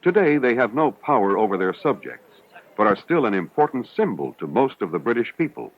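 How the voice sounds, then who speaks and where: A man reading scripted narration for an educational film in a measured, formal, explanatory way. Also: medium pitch, big pitch swings. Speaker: documentary narrator. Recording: dull, hissy 1970s educational film soundtrack.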